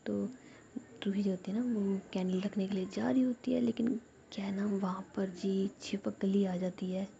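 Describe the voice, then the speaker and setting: A woman's voice: medium pitch, steady tone, moderate pace, vocal fry, dark tone, lo-fi sound, slight background noise. A woman narrating a love story in a whispered role-play style, rambling with many fillers.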